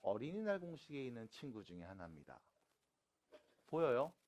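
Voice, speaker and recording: A man teaching math to high school students in a classroom, casual and teasing, switching between polite and plain speech. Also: very animated, a little fast, a little mellow, dull audio. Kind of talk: classroom lecture.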